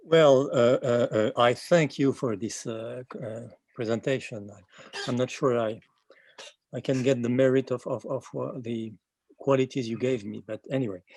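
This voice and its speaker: Big swings in loudness at a moderate pace with fairly even intonation. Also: man, medium pitch for a man. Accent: French. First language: French. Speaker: architecture theorist, academic. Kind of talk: reading aloud an introduction. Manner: halting, stammering.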